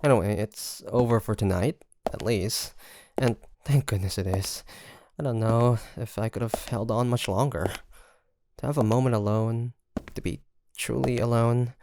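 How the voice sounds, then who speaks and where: Lightly acted, the pirate captain here keeps a steady tone in a mid-range voice, relieved and admiring as he teases and stumbles through the intimate ASMR roleplay with sighs and quiet laughs. Background noise can be heard.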